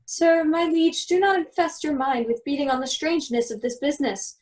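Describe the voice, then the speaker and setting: A woman's voice: high-pitched, a little fast, darkish tone, natural voice. A woman playing a commanding, wronged duke and magician in a Shakespeare radio play. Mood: stately, reassuring. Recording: distant from the microphone.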